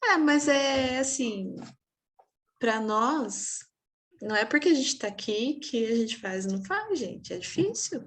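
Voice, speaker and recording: A woman's voice: on the high side, expressive, slow pace, fairly bright tone. Chatty woman leading a group. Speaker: group facilitator. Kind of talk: casual group chat.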